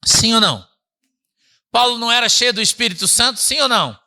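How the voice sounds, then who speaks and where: Man, pastor, bright forceful voice, chatty church sermon, jumps between loud peaks and low asides. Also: expressive, fairly quick. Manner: chatty, asks the congregation "né?" and calls them "irmão"; swings from loud emphatic bursts to low quiet asides. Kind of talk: conversational sermon. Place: church service.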